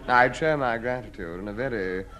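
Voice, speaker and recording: A man's voice: medium pitch, normal speed, heavy background noise, lightly acted. An actor playing a sly, wheedling male junk dealer in a 1950s radio comedy, with a salesman's patter.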